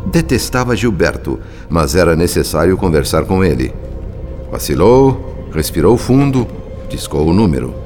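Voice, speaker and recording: A man's voice: deep voice, very animated, normal speed. An actor playing a grave spirit narrator, a Brazilian man telling a radio drama in a solemn literary style. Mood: grave, suspenseful. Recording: music under the narration. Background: background music.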